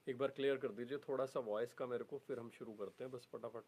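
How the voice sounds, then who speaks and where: A man's voice: mid-range voice, steady tone, fast, a little mellow, husky. A middle-aged man hosting a live stream from an office, mixing English words into his speech as he reads out viewers' cities. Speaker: live-stream host and trainer. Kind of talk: live-stream chat reading viewer messages.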